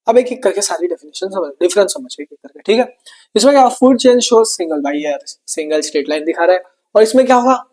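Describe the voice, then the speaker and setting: A man's voice: high-pitched, a little mellow. Chatty Indian male science teacher. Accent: Indian English. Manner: chatty, repetitive, calls students brother. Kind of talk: online exam-prep lesson.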